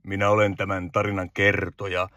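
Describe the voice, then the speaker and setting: A man narrating a fairy tale for children as a storyteller, soothing and unhurried. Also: sits low, little pitch movement, bright, forceful tone, no room sound, lo-fi sound.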